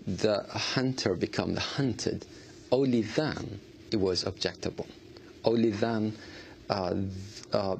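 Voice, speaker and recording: A man answering interview questions earnestly, halting often with fillers and restarts. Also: on the low side, creaky, slight background noise. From Iraq. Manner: halting, many fillers and restarts, non-native grammar. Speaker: artist guest.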